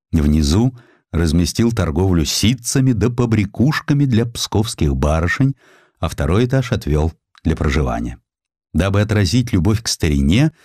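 A man narrating a historical story in an expressive, dramatic audiobook style with folksy irony, close to a studio microphone. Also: sits low, no room sound.

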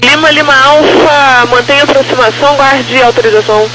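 A woman's voice: sits high, brisk. A woman working as an air traffic controller, giving procedural instructions over a crackly military-style radio.

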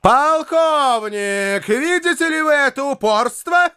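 A man's voice: extremely high pitch, slow pace, pushed and bright, voice pushed up, full character voice. A man voicing a pompous, self-pitying male hypocrite in an audiobook, declaiming indignantly and melodramatically. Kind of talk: audiobook reading.

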